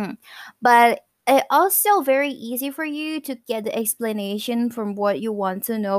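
A woman speaks with a Thai accent. The recording is very clean with a silent background, and the sound is dry and close with no echo. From Thailand. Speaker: podcast host. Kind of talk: casual monologue. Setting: home recording. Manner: halting.

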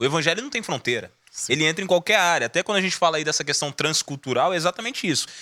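Very fast, high-pitched speech from a man, bright and sharp in tone with lively intonation, in a dry, close sound with no echo. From Rio de Janeiro, Brazil. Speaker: pastor. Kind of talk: casual chat.

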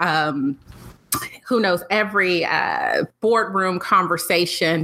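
A woman with an American accent speaks with ordinary pitch variation against noticeable background noise. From Texas, Dallas (Oak Cliff). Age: 30s. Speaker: podcast co-host, corporate professional. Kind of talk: casual chat.

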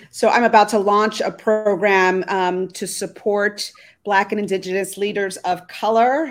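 A woman with a plain, everyday voice speaks with fairly even intonation. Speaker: social entrepreneur and former mayoral candidate. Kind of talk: panel discussion on radio.

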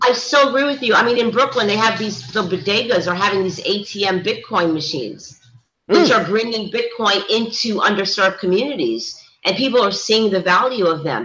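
Lively intonation with a New York accent. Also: woman, medium pitch for a woman, fairly quick pace. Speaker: journalist and digital magazine manager. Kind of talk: casual interview chat.

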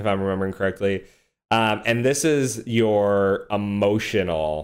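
On a very clean recording with a silent background, a man talks fairly slowly in a plain, everyday voice at a fairly low pitch. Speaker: podcast host. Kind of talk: casual chat.

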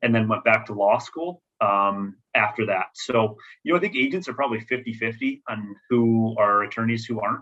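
Speaking with a western New York accent, a man uses a bright, sharp tone at medium pitch, with ordinary pitch variation and a moderate pace. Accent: American (western New York). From US Northeast (Rochester, New York). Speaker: sports agent. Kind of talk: casual interview.

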